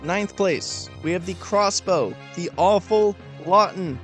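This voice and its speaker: A young man giving emphatic, profane weapon-ranking commentary, his throat tired and a little raspy. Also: high voice, slow pace. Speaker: gaming video host. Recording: voice-over with loud music behind.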